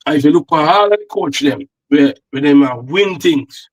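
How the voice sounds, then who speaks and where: A man's voice: on the high side, animated, normal speed, breathy edge, poor audio. Rambling Jamaican man talking football. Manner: rambling, repeats words. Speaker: football analyst and co-host. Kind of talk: casual chat.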